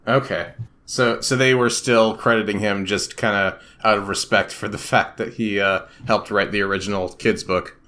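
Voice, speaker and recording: A man's voice: on the low side, fairly even intonation, moderate pace, pushed and bright. A man co-hosting a casual podcast, easygoing and a little hesitant, laughing often. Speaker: podcast co-host.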